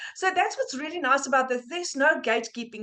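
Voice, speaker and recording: A woman's high, bright, sharp voice with lively intonation and a South African accent. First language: Afrikaans. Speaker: digital marketer. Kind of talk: testimony. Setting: live webinar. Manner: halting, many fillers and restarts.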